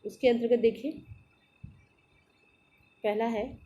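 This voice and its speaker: A woman's voice: fairly high pitch, steady tone, slow pace, mellow, breathy edge. A woman teacher patiently explaining a school textbook lesson, repeating and glossing each line.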